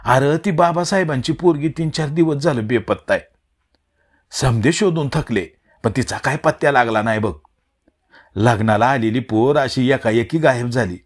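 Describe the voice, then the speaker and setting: A man's voice: mid-range voice, normal speed, lightly acted. A male narrator voicing a worried, protective old village mother who talks in rustic speech. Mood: confiding.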